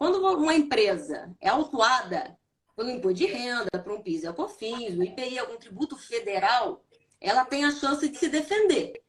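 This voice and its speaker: A woman speaks in a Carioca accent with a high pitch. Her pitch swings very widely. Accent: carioca accent, noticeable rolled R. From Rio de Janeiro, Brazil. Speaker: tax lawyer and tax appeals board member. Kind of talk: podcast interview explanation.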